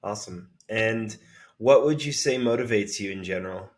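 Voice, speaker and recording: A man hosting a podcast, reading a scripted intro and asking questions in a measured, courteous way. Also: lowish voice. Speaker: podcast host.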